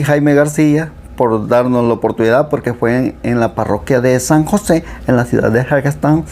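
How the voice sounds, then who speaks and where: The host of a Catholic video channel giving thanks and asking viewers to subscribe in a casual, animated way, with the pitch jumping up on questions.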